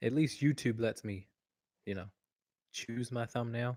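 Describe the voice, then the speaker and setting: Quiet and at a fairly slow pace, a man speaks with a medium pitch, fairly even intonation and a dark, mellow tone, the sound dry and close with no echo. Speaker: dog trainer. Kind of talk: live Q&A stream. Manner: speaking quietly; casual conversational.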